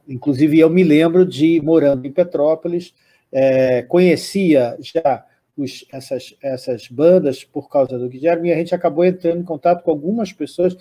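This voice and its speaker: An older Brazilian man speaking Portuguese with a Brazilian accent, hosting a music program off the cuff. His voice is husky and mellow, pitched a bit high for a man, and he wanders through his thoughts with frequent restarts and little tag questions. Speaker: music show host. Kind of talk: unscripted spoken commentary.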